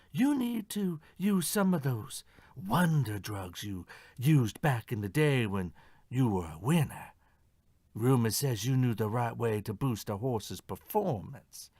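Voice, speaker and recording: A man's voice: mid-range voice, lively intonation, slow, no room sound, studio quality. A man voicing a greedy, bullying horse owner in an audio mystery play, with a demanding, threatening manner. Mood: threatening, pushy. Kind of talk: audio theatre murder mystery acting.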